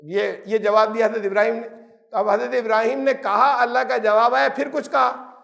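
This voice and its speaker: A man's voice: very high-pitched, steady tone, gravelly, a bit bright. An older man giving a Quran lesson, quoting Arabic verses, translating them and asking rhetorical questions, with English words mixed in. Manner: mixes English words into his talk. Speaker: Quran teacher.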